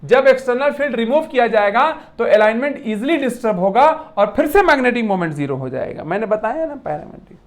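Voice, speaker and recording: A physics teacher giving a lecture, explaining in an animated way with repeated points, rhetorical questions and playful classroom comparisons, mixing English technical terms into the talk. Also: mid-range voice, quick pace, few pauses. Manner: mixes English technical terms into Hindi speech.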